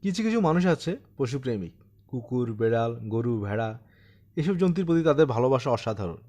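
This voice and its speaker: A man acts out a courteous old widower from a short story audiobook. He is bookish, talkative and gently insistent, telling things conversationally with a lively, varied pitch. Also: fairly quick. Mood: reflective.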